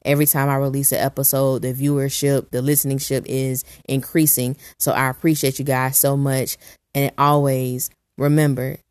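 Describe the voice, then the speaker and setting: A woman with a naturally raspy voice, made extra rough and deep by an oncoming cold, hosts her solo podcast. She speaks in a very low register and sounds earnest and prayerful as she encourages her listeners. The recording is dry and close. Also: level tone, normal speed, a little mellow, no room sound. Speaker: podcast host. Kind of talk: motivational solo podcast talk.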